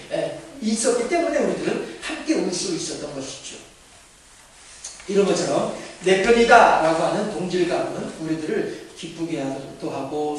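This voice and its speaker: A man's voice: high voice, slight background noise. A male pastor preaching a conversational sermon, drawing the congregation in with questions and acted-out quotes. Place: church sanctuary. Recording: echoey church hall, mic far off.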